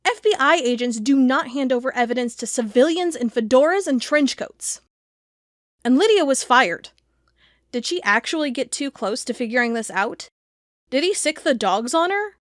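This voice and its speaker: Actress as obsessive female investigator, audio drama. Fairly high voice, suspicious, emphatic, talking to herself. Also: animated, moderate pace, no echo, clean studio sound. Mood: agitated, angry. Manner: thinking aloud, emphatic, muttering to herself. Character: agitated, suspicious woman investigator, sharp-tongued and obsessive.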